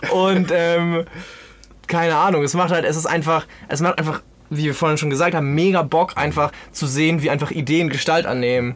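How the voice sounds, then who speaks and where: Here a man talks in an ordinary speaking voice at a fairly high pitch. He keeps a moderate pace and fairly even intonation. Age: 20s. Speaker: YouTuber and van enthusiast. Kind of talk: casual chat. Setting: recording at a trade fair.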